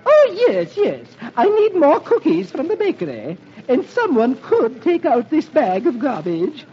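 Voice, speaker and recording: A man's voice: very high voice, wildly swooping pitch, measured pace, darkish tone, breathy edge, voice pushed up, full character voice. A man voicing a prim, gushing rich society lady in a fluttery, genteel manner, on a dull old radio recording.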